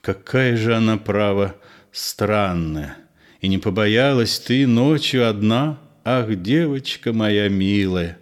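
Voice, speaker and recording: A man voicing a gentle, soothing older man. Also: lowish voice, expressive, slow. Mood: tender. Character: gentle nervous middle-aged man, soothing. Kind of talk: audiobook play reading.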